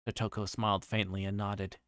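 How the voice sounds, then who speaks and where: A man's voice: lowish voice, flat delivery, brisk, fairly bright tone, smooth, no echo, studio quality. A man livestreaming a visual novel, reading the narration aloud with casual asides and occasionally stumbling over and repeating lines.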